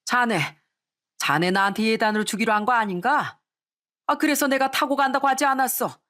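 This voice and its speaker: A woman's voice: on the high side, normal speed, pitched above the performer's own voice, close to an everyday voice. A woman voicing a pompous, hot-tempered middle-aged father-in-law in a radio story. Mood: indignant. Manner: bossy, blustering, shouting.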